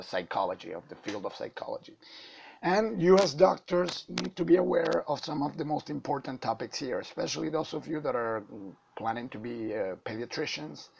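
A man with a hoarse voice from a flu, giving a halting lecture over slides to medical students. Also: medium pitch, a little mellow. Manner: halting, many uh fillers. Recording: dull lo-fi.

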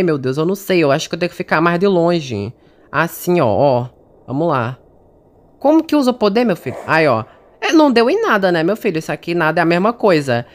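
A woman with a Brazilian Portuguese accent narrates her own horror gameplay in a fairly low voice. She is chatty and jumpy, talking straight to her viewers and to the characters on screen. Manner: chatty and jumpy, talks to the audience and game characters. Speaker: gaming streamer. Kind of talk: casual gameplay commentary.

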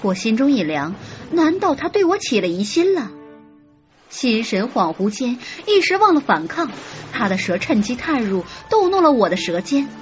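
A woman's voice: on the high side, big pitch swings, moderate pace. A woman narrating a romance audiobook in first person, telling it expressively. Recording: slightly dull audio with soft music.

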